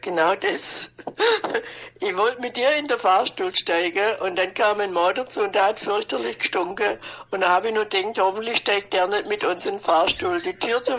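Husky woman on voice message. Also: medium pitch, a bit bright, poor audio. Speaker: listener leaving a voice message. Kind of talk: casual anecdote. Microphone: phone, replayed into the podcast microphone. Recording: played-back phone voice message.

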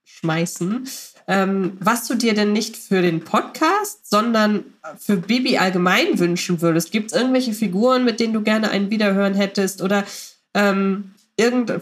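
A woman hosting a podcast, casually moderating and putting questions to her guests. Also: mid-range voice. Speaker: podcast host.

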